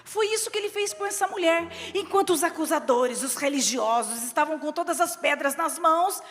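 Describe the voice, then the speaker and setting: A woman's voice: high-pitched, expressive, brisk, fairly bright tone. A woman bishop with a Brazilian Portuguese accent preaching a sermon, reading scripture and explaining it with stories from her own family. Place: church service hall. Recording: reverberant hall with faint music behind.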